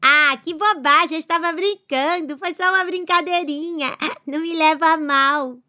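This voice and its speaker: A woman's voice: very high-pitched, moderate pace, sharp tone, voice pushed up. Woman doing a bratty little prankster boy. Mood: dismissive. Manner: teasing, singsong taunts. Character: mischievous young boy, prankster shepherd.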